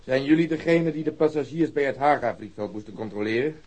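A man's voice: mid-range voice, brisk, darkish tone, lightly acted. An actor playing a sarcastic, hot-tempered male police superior in a radio drama, questioning people with biting, coarse language. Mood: coolly probing. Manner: sardonic interrogation, swearing. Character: sarcastic, irate male police detective, middle-aged superior.

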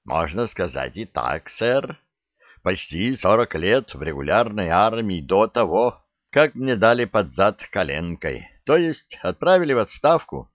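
A man's voice: fairly low pitch, big pitch swings, measured pace, no echo, muffled recording. A man reading the part of an older veteran soldier with a dry, blunt, self-deprecating way of talking. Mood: wry. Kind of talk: audiobook character reading.

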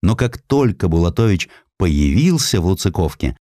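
A man reading a scripted historical sketch as an audiobook narrator, in an expressive, dramatic storytelling manner. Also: low voice, moderate pace, dry recording, clean studio sound. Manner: expressive storytelling, acting out quoted speech.

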